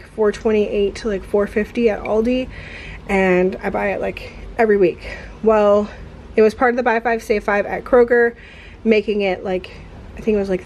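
Woman, thirties, casual chatter, mid-pitched voice, faint background hum. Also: darkish tone. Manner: chatty, rambling with fillers and restarts. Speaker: vlogger. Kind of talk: casual haul vlog. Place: home kitchen, indoors.

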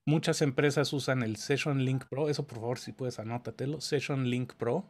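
A man talks through the details of dubbing sessions in a casual conversation. He explains patiently and keeps checking that his listener follows, his voice sitting at an ordinary middle pitch. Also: brisk, a little mellow. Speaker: audio engineering teacher.

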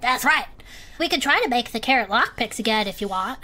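A woman's voice: a little high, lively intonation, brisk, bright, forceful tone. A woman voicing an earnest clawed creature adventurer who teases her friend, in an audio drama. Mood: earnest, playful. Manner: earnest, playful teasing.

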